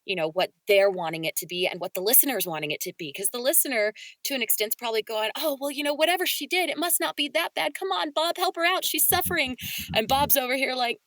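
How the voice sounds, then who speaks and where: A woman's voice: high voice, expressive, quick pace, a bit bright, no echo. A woman in a casual interview about acting, explaining her thoughts and voicing imagined remarks as she goes. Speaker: voice actress being interviewed. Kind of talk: casual cast discussion.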